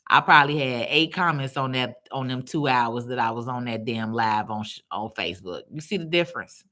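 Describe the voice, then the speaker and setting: A woman's voice: very deep voice, a little fast. A woman from Chicago with a Chicago accent, hosting a casual livestream on her phone and chatting bluntly with viewers in slangy talk. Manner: blunt, slangy and animated, calls viewers baby. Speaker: livestream host. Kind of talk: casual live chat answering comments.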